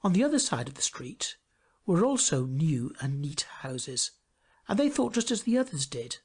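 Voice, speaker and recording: Expressive male storyteller with animated pitch. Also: moderate pace, slightly rough. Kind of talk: scripted fairy-tale narration.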